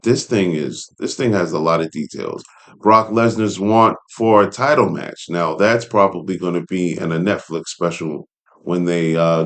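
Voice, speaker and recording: A man hosting a read-along commentary, speaking in a casual, conversational and emphatic way. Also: deep voice. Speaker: host reading an article aloud with commentary.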